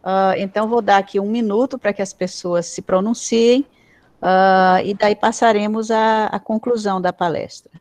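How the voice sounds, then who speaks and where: A woman moderating an online lecture over a video call, friendly and chatty with frequent filler pauses. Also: mid-range voice, fairly even intonation, a little mellow.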